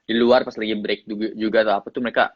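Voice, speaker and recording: A man's voice: fairly low pitch, rapid-fire, no echo, muffled recording. Chatty man with a slight English accent. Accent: slight English accent in his Indonesian. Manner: relaxed, chatty, mixes English into his speech, laughs often. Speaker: actor guest. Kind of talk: casual interview chat.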